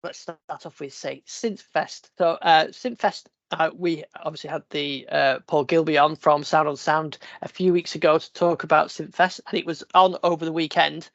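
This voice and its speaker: A man's voice: fairly high pitch, steady tone, normal speed, gravelly, hardly any pauses, dry recording. Brief: man, podcast host fighting a cold, sniffly, rambling with fillers, dull dry lo-fi sound. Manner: rambling, many fillers and restarts. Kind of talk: casual tech podcast chat.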